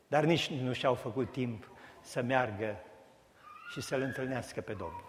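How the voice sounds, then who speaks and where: A man's voice: mid-range voice, slight background noise. Man preaching in an echoing hall. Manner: emphatic preaching that rises to raised repetitions. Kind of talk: sermon. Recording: long hall reverb.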